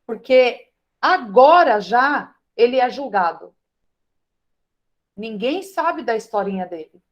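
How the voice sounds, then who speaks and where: A woman's voice: on the high side, lively intonation, slow pace, lo-fi sound. A middle-aged woman teaching an online class, telling a counseling case and acting out both sides of the conversation.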